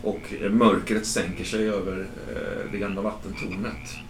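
Low voiced guy running a tabletop game, umming a lot, roomy sound. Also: level tone. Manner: casual, halting narration with many fillers. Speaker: game master. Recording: roomy with background noise.

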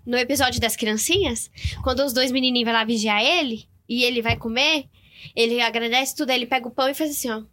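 Bright high-voiced woman chiming in. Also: quick pace. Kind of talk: casual chat.

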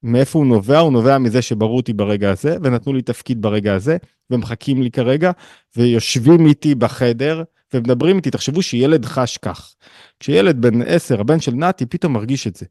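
A man leads a casual spiritual class over a video call, his mid-pitched voice dry and close to the mic. He talks in a loose, slangy way with restarts, then leaps sharply higher and louder whenever he acts out a voice or drives home a point. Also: no echo. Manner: conversational with slang and many restarts. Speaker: teacher of a weekly online class.

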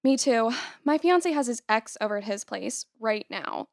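A woman's voice: a little high, lively intonation, moderate pace, creaky, a little mellow, no room sound, studio quality. A woman playing a scheming, resentful fiancée in an audio drama, blunt and pressing. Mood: sardonic.

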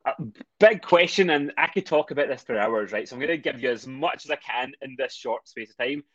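A middle-aged man with a Scottish accent, a mindset coach speaking as a guest on a podcast, talking quickly and energetically as he explains. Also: mid-range voice, no echo, muffled recording. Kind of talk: podcast interview.

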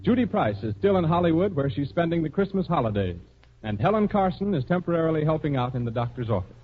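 A man's voice: a little high, very animated, quick pace. A man announcing a 1930s radio show in a formal, polished delivery, heard as an old radio broadcast. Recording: muffled 1930s radio recording with music.

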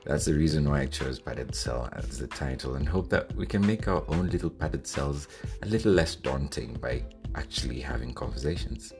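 Podcast host, man from Kenya, young adult, extremely deep voice, earnest scripted read over a music bed. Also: expressive, normal speed.

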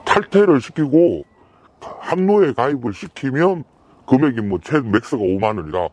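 An anonymous male informant whose voice is disguised by deep modulation, giving halting recorded testimony with repeated words. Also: very animated, a little mellow, no echo. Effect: voice disguised by modulation, pitched deep. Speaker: anonymous informant, former employee.

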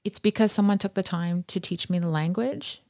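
A woman's voice: on the low side, brisk, a little mellow, dry recording, clean studio sound. A woman whose first language is Farsi, speaking reflectively in a casual conversation as a guest, with frequent ums and you-knows. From Iran.

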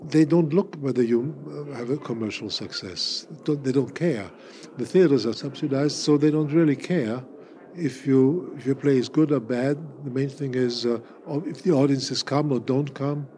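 A man of eighty whose first language is German, answering interview questions in a measured, wry way with frequent fillers and restarts. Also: medium pitch, warm tone. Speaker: interviewee, cabaret artist.

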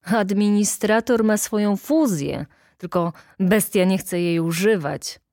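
A woman's voice: mid-range voice, a little slow, a little mellow, no echo, clean studio sound, voice pushed up, close to an everyday voice. A woman reading a story aloud and voicing a boastful, tipsy male local official who talks in a bluff, showy, persuasive way.

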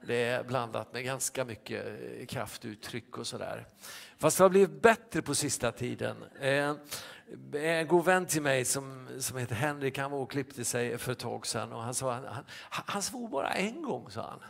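A male pastor telling a personal anecdote in a sermon, halting with many restarts and fillers. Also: mid-range voice, expressive, creaky.

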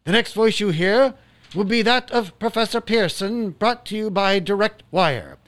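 A man's voice: high voice, lively intonation, a little slow, fairly bright tone, no echo. A man playing an earnest radio news announcer, formally reporting a disaster in a radio drama. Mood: urgent, formal. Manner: formal, urgent, orderly.

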